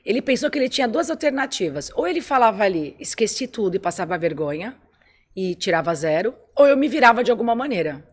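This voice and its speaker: A woman in casual conversation, telling a story about her son with lively quoted dialogue. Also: medium pitch, fast.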